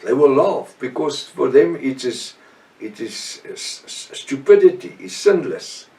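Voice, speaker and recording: A middle-aged man, a native Afrikaans speaker with a South African accent, preaches a Bible lesson off the cuff in short, halting, emphatic phrases with repetition. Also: medium pitch, animated, darkish tone. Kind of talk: extemporaneous Bible teaching sermon. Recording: echoey room, distant microphone.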